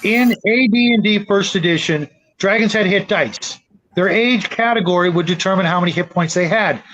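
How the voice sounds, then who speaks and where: A man's voice: sits high, normal speed, a bit bright. A man on a podcast panel, casually explaining his point of view over a dull, lo-fi mic. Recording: dull lo-fi mic, clear background noise.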